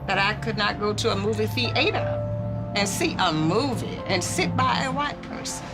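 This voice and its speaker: A woman's voice: mid-range voice, normal speed, loud music behind the voice, close to an everyday voice. An actress playing a weary Christian woman testifying earnestly and emphatically in a film. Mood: grave, fed up. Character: weary Black Christian woman sharing grave memories. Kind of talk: dramatic film dialogue.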